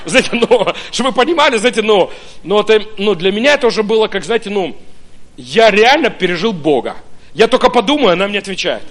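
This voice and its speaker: A pastor from Ukraine preaching a sermon, telling his own story in an animated way with many hesitant fillers. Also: high voice, brisk. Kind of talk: sermon with personal testimony.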